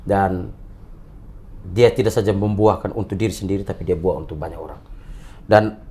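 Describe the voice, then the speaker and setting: A man's voice: low voice, steady tone, normal speed. A young man, a Catholic priest, telling stories in a casual comic chat and laughing often. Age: young adult. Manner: laughs often, warm storytelling. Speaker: Catholic priest, podcast guest.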